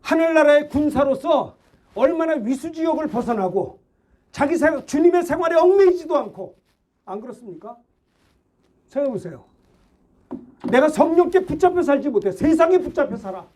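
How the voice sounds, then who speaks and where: Middle-aged male preacher, very high-pitched, fiery and shouting, pressing the congregation with questions. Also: expressive, moderate pace, pauses often. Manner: shouting, exhorting, rhetorical questions. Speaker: pastor. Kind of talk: fervent Sunday sermon.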